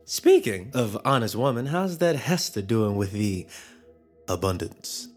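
A wary young apprentice. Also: male voice, lowish voice, sing-song, unhurried, faint music behind. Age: young adult. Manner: distrustful, blunt. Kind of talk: audio drama.

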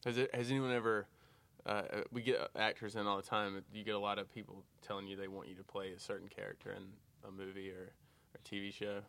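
Male podcast interviewer, fairly low voice, informal conversational delivery. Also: flat delivery, fast talker, creaky, a bit bright. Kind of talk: casual chat.

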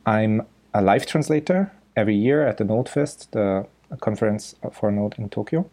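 A man's voice: lowish voice, animated, moderate pace, mellow. A man with an Austrian German accent, explaining things conversationally as a podcast guest. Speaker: podcast guest, freelance developer.

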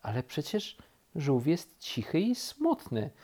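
A gentle female storybook bear as a woman storyteller plays her, raised in pitch yet calm. She speaks mildly and thoughtfully. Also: slow pace, husky, full character voice.

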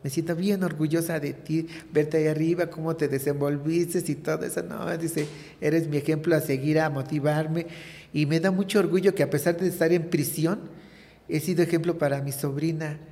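A woman's voice: low voice, fairly even intonation, normal speed, warm tone. Earnest trans woman, echoey hall. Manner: earnest, rambling with many fillers. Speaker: interviewee. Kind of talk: candid personal testimony.

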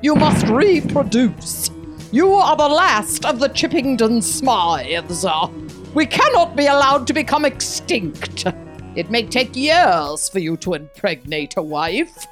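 An actress playing an imperious, elderly upper-class matriarch in a comedic radio play, declaiming grandly and deliberately. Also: female voice, sits high, very animated, soft background music, full character voice. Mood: stern, dramatic.

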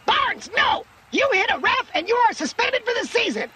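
A man voicing a furious little furry alien football coach, barking scoldings in a shrill, growly screech. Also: big pitch swings, moderate pace, bright, forceful tone, exaggerated voice.

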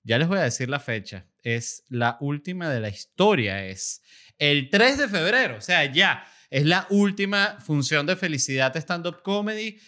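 A man's voice: fairly high pitch, sing-song, a little slow, sharp tone. A man hosting a comedy podcast, talking in a loose, playful monologue with jokes and asides. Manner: playful, jokey, shifts into mock ASMR murmur. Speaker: podcast host and stand-up comedian.

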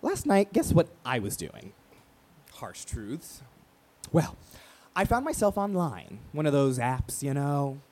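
An actor playing a brash, wounded, proud gay radio talk show host in an emphatic, profane, theatrical monologue. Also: male voice, medium pitch, big pitch swings, slow, a little mellow. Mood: wry, rambling.

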